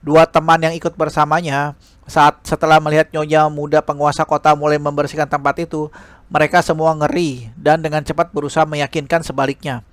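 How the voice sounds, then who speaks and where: An Indonesian-accented man narrates a light-novel audiobook in a high register. The sound is dry and close, and his delivery is informal, with small stumbles and rereadings. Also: flat delivery, brisk, dry recording. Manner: stumbles over words and rereads phrases.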